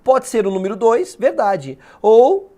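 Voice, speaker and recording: A man with a Brazilian Portuguese accent runs a video lesson on English for a public exam. He talks in a casual, animated way and keeps asking the listener rhetorical questions. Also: extremely high pitch, measured pace. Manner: lively, colloquial, asks the listener rhetorical questions. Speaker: English teacher for exam prep.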